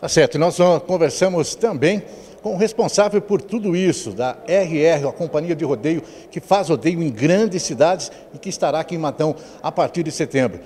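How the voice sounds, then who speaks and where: A man's voice: fairly high pitch, moderate pace, a little mellow, husky. A man with a Brazilian accent working as a TV reporter, putting questions to interviewees. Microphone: handheld interview microphone. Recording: echoey room with faint noise.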